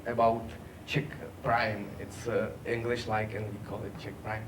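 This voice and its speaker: Halting male presenter, distant noisy room. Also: on the low side, level tone. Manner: halting, many "uh" fillers. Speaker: workshop presenter. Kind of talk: technical presentation. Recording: distant mic, background noise.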